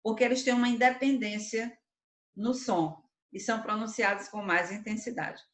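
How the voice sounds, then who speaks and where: A woman's voice: fairly high pitch, steady tone, moderate pace, fairly bright tone, roomy sound. A woman teacher giving a grammar lesson, explaining step by step and answering her own questions for the class. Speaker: Portuguese teacher.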